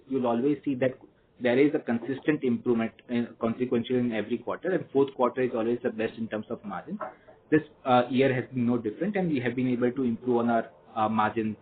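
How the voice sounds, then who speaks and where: A man with an Indian accent, a company executive giving measured, formal answers to analysts on an earnings call. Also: mid-range voice. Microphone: conference phone call. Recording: tinny phone line with noise.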